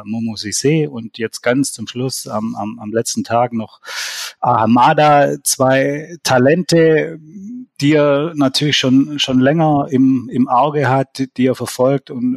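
Male podcast guest, mid-pitched, halting delivery full of fillers, dry home recording. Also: gravelly, a little mellow, no room sound. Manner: hesitant, many fillers. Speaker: football reporter guest. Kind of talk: casual podcast discussion. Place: home office.

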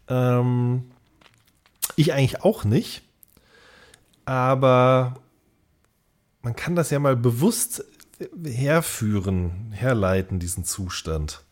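A man with a mid-pitched voice talks casually as a podcast co-host. He speaks hesitantly, feeling his way toward each phrase and often circling back to find the right word. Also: a little mellow. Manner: hesitant, searching for words. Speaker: music journalist. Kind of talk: casual chat.

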